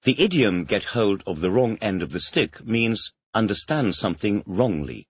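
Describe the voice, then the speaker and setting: On tinny, dry, phone-style audio, a man taking an English lesson replies to each question by restating it in complete sentences. His fairly low voice carries a breathy edge and wide pitch swings, and he keeps a moderate pace.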